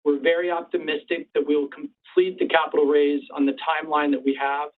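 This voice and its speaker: Guy exec on earnings call, bit high voice, measured, phone sound, kinda far from mic. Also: little pitch movement. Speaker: company chief executive on an earnings call. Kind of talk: prepared remarks and candid answers to analysts. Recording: distant, tinny phone-line conference call.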